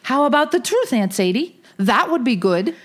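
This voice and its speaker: A woman's voice: sits high, very animated, normal speed. A woman playing a curious, prying adult daughter in a comic audio drama. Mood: nosy eager. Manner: prying, exasperated.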